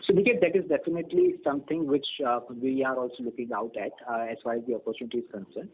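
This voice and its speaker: A man with an Indian accent answering questions as a company executive on an earnings call, in a measured, hesitant, formal manner. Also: mid-range voice, slight background noise. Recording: narrow tinny conference phone line.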